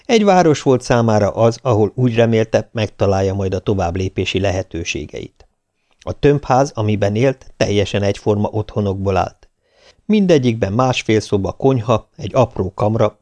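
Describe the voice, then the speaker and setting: A man narrating an audiobook in a calm, even storytelling manner. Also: lowish voice. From Hungary. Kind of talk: scripted narration.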